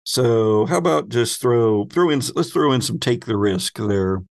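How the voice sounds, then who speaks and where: A man acting as game master, narrating an improvised tabletop game descriptively and pausing to find his words. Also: medium pitch, lively intonation, gravelly, darkish tone, no echo, studio quality.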